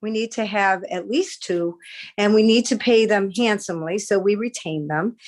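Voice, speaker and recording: A woman speaks at a moderate pace with lively intonation and a fairly high pitch. It is a plain, everyday voice on a very clean recording with a silent background. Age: 60s. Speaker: public commenter, nurse and activist. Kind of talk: public testimony at council hearing.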